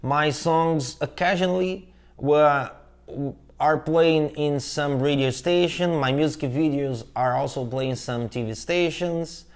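A young Brazilian man talks straight to the camera in English, his Portuguese accent clear in every phrase. He speaks earnestly and a little haltingly, stopping often for fillers and restarts, at a middling pitch. He sounds like he is at a desk in a room indoors. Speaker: channel host, tribute performer. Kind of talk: scripted direct-to-camera introduction. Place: indoor room with shelves of collectible figures.

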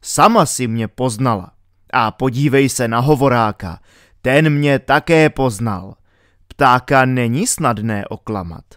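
A man voicing a calm adult spaceship captain who speaks in a reassuring, measured way. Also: mid-range voice, no echo, studio quality, close to an everyday voice.

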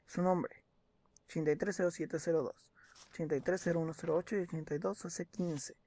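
A young gaming video host with a fairly high, warm voice gives gameplay commentary at a fairly quick clip and in a steady tone. He mutters as he plays and reads documents aloud, adding joking asides.

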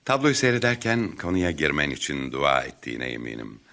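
An actor playing a tough, commanding and mocking police inspector in a Turkish radio drama. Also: male voice, a bass voice, big pitch swings, fairly quick, gravelly, bright, forceful tone, heavily acted. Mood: businesslike, probing.

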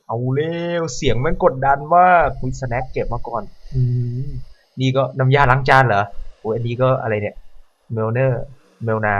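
A man giving let's-play commentary on a horror game. He talks to the zombies and swings from calm asides to startled yelps. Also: mid-range voice, highs cut off, slight background noise. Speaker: gameplay commentator.

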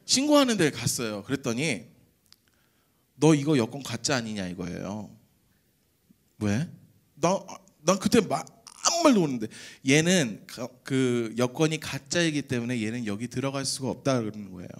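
At a church prayer service, a young man gives a lively testimony, telling his story with jokes and acted-out voices. His pitch is medium and his pace moderate.

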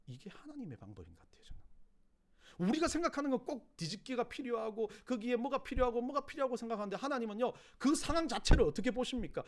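A middle-aged male pastor with a Gyeongsang Korean accent, preaching a sermon, swinging from loud emphatic cries to hushed low asides.

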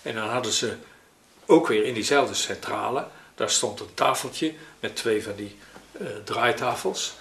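An elderly man, recalling memories in a hesitant, pausing, conversational way. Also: fairly low pitch, fairly bright tone. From Netherlands. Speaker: interviewee recalling his childhood. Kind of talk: spoken reminiscence in an interview. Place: living room at home, indoors. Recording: roomy echo with faint noise.

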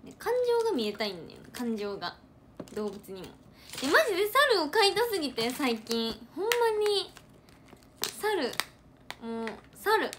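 A young woman from Hyogo chats on a livestream in a Kansai accent, her fairly high voice swooping up and down. She is animated and keeps repeating words for emphasis. A faint hiss sits behind her phone mic. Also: a little slow. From Hyogo, Japan. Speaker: idol trainee livestreamer. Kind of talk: casual livestream chat reading comments.

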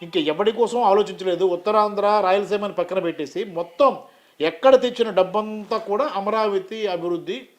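High-pitched male interviewer. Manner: frequent agreeing interjections, respectful. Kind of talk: political interview.

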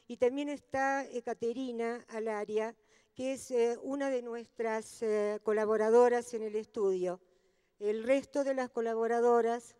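A middle-aged woman, giving an architecture lecture into a handheld microphone, pausing often with many fillers. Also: fairly high pitch, darkish tone, clean tone. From Argentina. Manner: halting, thinking aloud with many pauses. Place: large stage at an event hall. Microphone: handheld mic at a lectern. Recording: long hall reverb.

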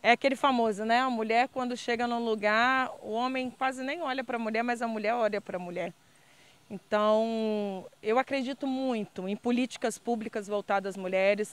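A middle-aged woman speaks as a community leader in an interview. Her voice is smooth and clear at an ordinary middle pitch. She argues her point earnestly, leaning on fillers as she goes. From Brazil. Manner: earnest, persuasive, with frequent fillers. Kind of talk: street interview answers.

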